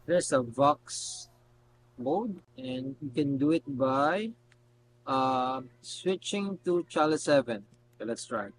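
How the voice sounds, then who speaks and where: Male product reviewer, casual and unscripted, halting instructional delivery, noisy home-style recording with hum. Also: medium pitch, expressive. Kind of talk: casual unscripted gadget demonstration. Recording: noticeable background noise and hum.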